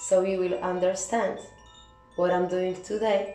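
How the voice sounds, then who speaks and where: Music plays in the background as a woman with a Polish accent talks fairly slowly in a medium pitch. Her intonation is fairly even, and the room echo is audible. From Poland. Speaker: spiritual teacher, self-described witch. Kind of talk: ritual talk to viewers. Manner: hesitant, with fillers.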